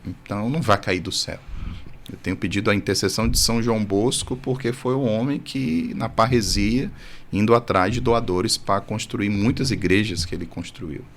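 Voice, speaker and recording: A man who is a priest, a podcast guest born in Brazil, telling his story in an earnest, animated way with light humor, recorded in a studio. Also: on the low side, moderate pace. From Brazil, born in Salvador. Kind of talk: testimony in casual conversation.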